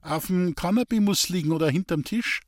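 A man's voice: high voice, normal speed, dry recording, clean studio sound, voice pushed up, close to an everyday voice. A man reading aloud, voicing a jovial old Bavarian farmer in a somewhat raised voice.

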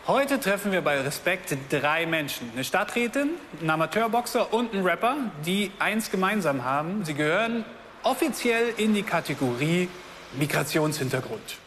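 A man hosting a street report, chatty and quick to laugh, talking to passers-by in a city centre. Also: high voice, slight background noise. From Germany. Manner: lively, chatty, laughs easily. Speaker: host. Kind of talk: street reportage and casual interviews.

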